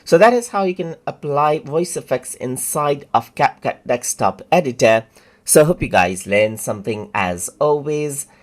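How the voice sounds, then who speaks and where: Man talking through a software tutorial. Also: medium pitch, lively intonation, moderate pace. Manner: casual, repetitive step-by-step explaining with fillers. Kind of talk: screen-recorded tutorial narration.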